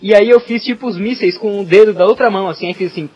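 High-voiced Brazilian man telling stories. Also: quick pace, over music. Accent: Brazilian Portuguese. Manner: animated, laughing storyteller with loose slang. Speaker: podcast co-host. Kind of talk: casual chat. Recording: slightly muffled podcast audio.

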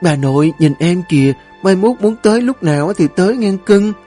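A man's voice: high voice, animated, normal speed, warm tone, soft background music, voice pushed up. Man putting on a soothing big-sister voice. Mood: coaxing. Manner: soothing, coaxing. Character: gentle caring older sister, a girl.

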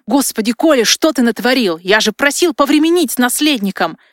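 Lady doing a hotheaded young crown prince guy, loud and raised, dry close sound. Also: a little high, lively intonation, brisk, no room sound, voice pushed up, close to an everyday voice. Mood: exasperated. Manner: bewildered turning to roaring anger. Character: proud, hot-tempered young male crown prince.

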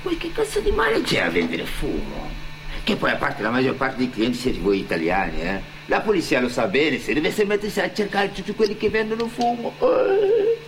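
An actor playing a defiant young immigrant drug dealer in a colloquial theatrical monologue, swearing and throwing out pointed questions. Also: male voice, a little high, wildly swooping pitch, normal speed, noisy background. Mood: defiant, matter-of-fact. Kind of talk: theatrical first-person monologue.

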